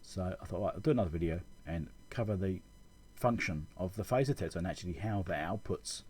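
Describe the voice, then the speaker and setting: A man with a husky, fairly low voice talks through a technical explanation. His tone is soft-edged and relaxed, and his delivery is informal, like someone thinking aloud while he teaches. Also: brisk, soft background music. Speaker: electronics repair video host. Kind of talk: casual technical tutorial over schematics.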